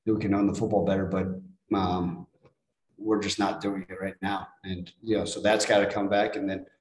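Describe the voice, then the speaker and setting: Brief: middle-aged male coach, low steady voice, flat delivery, roomy press-room sound. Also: moderate pace. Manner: plain-spoken, repeats words when restarting. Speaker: head football coach. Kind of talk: post-game press conference.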